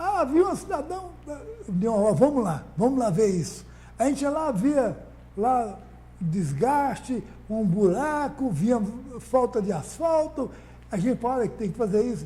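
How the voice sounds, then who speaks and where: Audible room echo surrounds a man whose extremely high pitch makes very wide swings, broken by long, frequent pauses. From Lebanon. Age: 70s. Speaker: history professor and lawyer. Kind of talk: interview storytelling.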